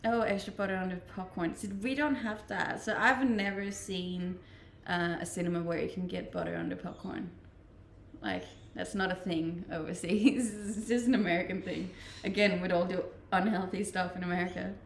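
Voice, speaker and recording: Young woman, Danish accent, relaxed live-stream chat, gravelly voice, echoey room with faint noise. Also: fairly low pitch, moderate pace. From Denmark. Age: 20s. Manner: relaxed, chatty, laughs often. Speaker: livestreamer. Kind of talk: casual chat reading viewer comments.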